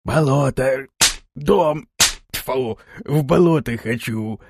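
A man's voice: medium pitch, slow pace, creaky, noisy background. A man voicing a whiny, wailing swamp kikimora creature in an audiobook. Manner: whiny, pleading.

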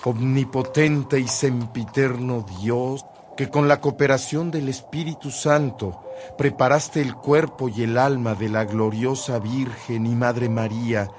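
An actor playing a devout, compassionate Catholic bishop in a radio drama, speaking with a Mexican accent in a solemn, deliberate, pastoral manner. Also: male voice, mid-range voice, steady tone, background noise, lightly acted. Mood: reverent. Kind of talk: Spanish-language radio drama acting.

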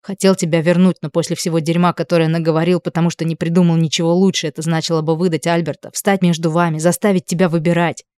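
A woman voicing a remorseful young man who speaks in a low, subdued way in an audiobook. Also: level tone, fast, hardly any pauses, a little mellow, clean tone, no echo, lightly acted. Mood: regretful.

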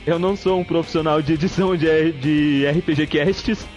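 A man's voice: a little high, fairly even intonation, normal speed, darkish tone, dull audio. A young Brazilian man with a Brazilian Portuguese accent, co-hosting and editing a podcast in laid-back, slangy chat. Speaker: podcast co-host and editor. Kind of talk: casual chat. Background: faint guitar music.

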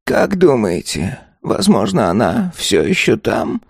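A man voicing a tiny golden ghost servant who calmly and persistently needles his master, speaking in a hushed, drawn-out sing-song. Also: mid-range voice, creaky, husky, no room sound, clean studio sound, pitched above the performer's own voice, heavily acted. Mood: coaxing. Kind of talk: audiobook character voice.

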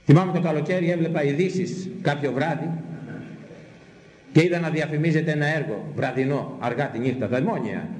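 A man's voice: fairly high pitch, darkish tone. A man, a priest, delivering an impassioned, scolding sermon with sweeping emphatic swings in his voice. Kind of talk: fiery sermon. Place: church hall. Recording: echoey church hall with long reverb.

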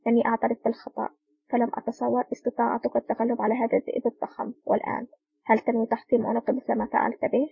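A woman's voice: fairly high pitch, flat delivery, rapid-fire, vocal fry, husky, dry recording, highs cut off, full character voice. A woman reading a stubborn young lieutenant. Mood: defiant. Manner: defiant.

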